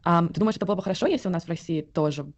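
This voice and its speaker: A woman hosting a podcast, asking brisk follow-up questions in a casual interview. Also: fairly low pitch, lo-fi sound. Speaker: podcast host.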